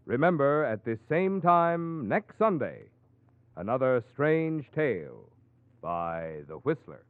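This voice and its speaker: A man's voice: mid-range voice, very animated, slow, clean tone, no echo. Tinny 1940s male radio announcer. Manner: formal, polished. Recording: tinny vintage radio broadcast, music behind.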